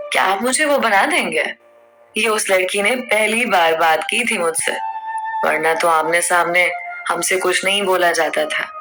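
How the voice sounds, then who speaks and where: Woman, storyteller, heartfelt first-person narration, low-ish voice, bright tone.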